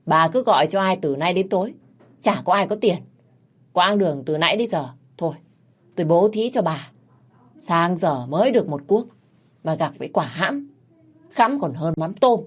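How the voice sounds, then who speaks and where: A woman's voice: fairly low pitch, lively intonation, moderate pace, long pauses, slightly rough. A woman doing a blunt, mocking young taxi driver. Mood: contemptuous.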